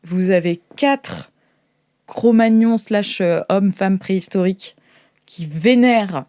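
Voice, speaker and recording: A woman's voice: mid-range voice, takes it slowly, dark tone, no room sound. Woman game master, close dry sound. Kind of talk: improvised tabletop game narration.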